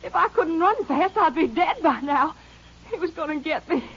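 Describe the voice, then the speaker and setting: Young scheming girlfriend, tearful, breathy, very high voice, muffled old radio sound. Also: lively intonation, moderate pace, a bit bright. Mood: pleading. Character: young woman, scheming girlfriend feigning fear. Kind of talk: 1950s radio drama acting. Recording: dull old radio broadcast.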